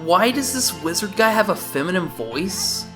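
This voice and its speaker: Animated, sarcastic woman reviewing games. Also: mid-range voice, normal speed. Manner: sarcastic, exclamatory. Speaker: video game reviewer. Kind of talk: casual reaction commentary. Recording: voice-over with faint game music.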